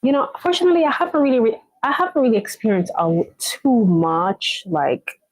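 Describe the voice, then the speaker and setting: A woman's voice: a little high, very animated, a little fast, no echo, poor audio. A woman from Jamaica, hosting a casual motivational live chat, encouraging her viewers and often repeating herself to check in with them. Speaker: live stream host.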